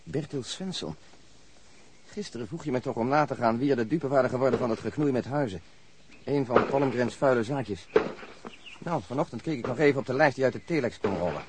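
Male radio-drama role: methodical detective played by an actor, precise and factual, medium pitch, faint background noise. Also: fairly quick, close to an everyday voice. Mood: intent, factual. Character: methodical police detective with a sharp memory. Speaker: police detective. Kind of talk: Dutch radio drama dialogue.

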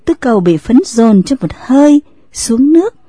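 A woman narrating an audio story in a measured reading voice. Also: a little high, big pitch swings, mellow, husky, no echo, studio quality.

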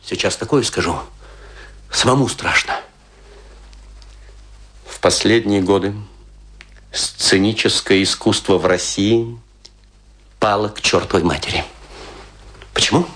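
An actor playing a boastful, aggrieved, tipsy provincial stage player, declaiming with grandiose self-pity and dramatic pauses in a radio play. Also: male voice, lowish voice, fairly bright tone. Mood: indignant, declamatory. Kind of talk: theatrical radio play monologue.

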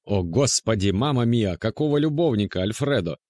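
A man's voice: lowish voice, expressive, moderate pace, a little mellow, dry recording, voice pushed up, close to an everyday voice. A man voicing a woman, the villa owner, scolding a jealous neighbor in a storybook reading. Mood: exasperated. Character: sleepy then furious woman, villa owner.

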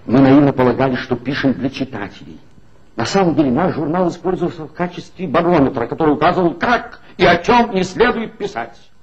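An actor playing a bitter, ironic former magazine writer in a 1960s radio play, speaking in a measured, wry way. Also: male voice, fairly high pitch, expressive, husky. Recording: dull old 1960s radio recording with faint hiss.

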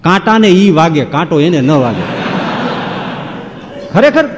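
A male preacher with a voice on the high side delivers a devotional discourse in an unhurried, folksy, animated manner, listing examples in rhythmic runs that rise into exclamations. Background noise can be heard, and the hall has a long reverb.

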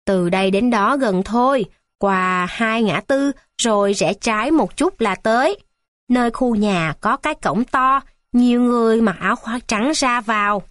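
A woman voicing a kindly older male locksmith in a children's storybook, gently giving directions. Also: fairly high pitch, measured pace, dry recording, studio quality.

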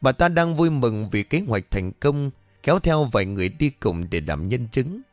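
Guy narrating a ghost story, steady dramatic pace, dry close mic, faint music. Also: mid-range voice, moderate pace, dry recording.

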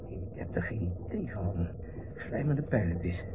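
An actor playing an irritable, gloomy company director and husband in a Dutch radio play, curt and sardonic. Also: male voice, fairly low pitch, animated, normal speed, lightly acted. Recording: muffled, noisy old radio play recording.

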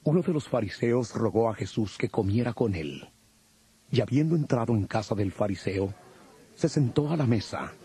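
A man with a husky voice giving solemn scripted narration for a dramatized audio Bible. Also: on the low side, lively intonation, normal speed, dark tone. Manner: solemn storytelling.

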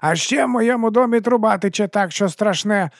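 A man plays a chatty old woman in an audiobook crowd, voice pushed high and a little gravelly. She grumbles on and on, close and dry. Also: brisk, no echo. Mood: grumbling.

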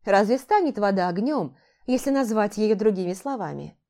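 A woman voicing a wise, sardonic male talking cat who calmly lectures and teases his young mistress in an audiobook. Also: mid-range voice, normal speed, lightly acted. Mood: reassuring. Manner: calm and lecturing, with dry teasing.

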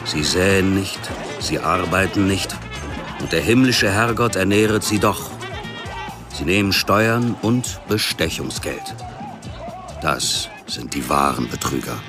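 A man's voice: sits low, animated, slow pace. An actor playing a cynical, defiant male internet scammer in a radio drama, matter-of-fact and self-justifying. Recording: music under the voice. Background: music.

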